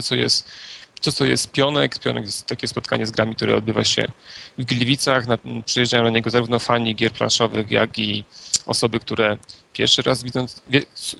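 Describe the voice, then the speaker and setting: A man co-hosting a podcast, chatting casually and explaining at length in a relaxed way, with many fillers. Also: mid-range voice, creaky, husky. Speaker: podcast co-host. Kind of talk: casual chat.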